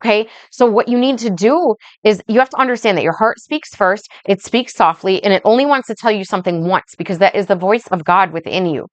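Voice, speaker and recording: A woman life coach rambling through a casual vlog monologue, slow and blunt, swearing freely and checking in with "right?" and "okay?". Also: mid-range voice, no room sound. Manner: speaks slowly.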